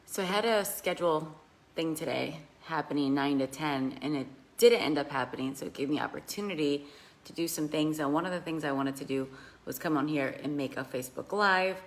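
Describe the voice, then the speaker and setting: A slightly raspy woman giving an earnest coaching talk on a live video, asking her listeners questions. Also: deep voice, brisk, poor audio. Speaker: money mindset coach. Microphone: phone held in hand.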